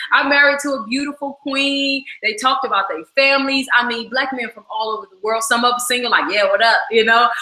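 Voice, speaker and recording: Amid noticeable background noise, a woman talks at a fairly quick pace in a high, animated voice. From Detroit, inner city. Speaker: aspiring musician and educator. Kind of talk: interview on livestream. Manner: fast.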